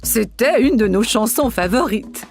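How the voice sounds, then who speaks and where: Cartoon grandma: gentle, nostalgic, encouraging, somewhat high-pitched. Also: female voice, expressive, a little slow, soft background music. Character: kind, nostalgic grandmother of a little boy. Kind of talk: children's cartoon dialogue.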